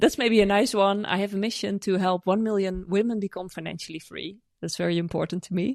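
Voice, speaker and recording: A woman with a Dutch accent and medium pitch talks at a fairly quick pace, with fairly even intonation and hardly any pauses. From Netherlands. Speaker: money mindset coach. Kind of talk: interview podcast.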